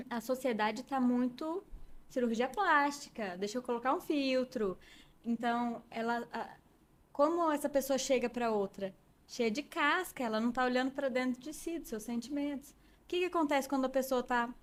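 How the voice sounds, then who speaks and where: A woman's voice: fairly high pitch, moderate pace, a little hiss or hum. A Brazilian woman, a guest on a casual podcast, talking in a reflective, storytelling way.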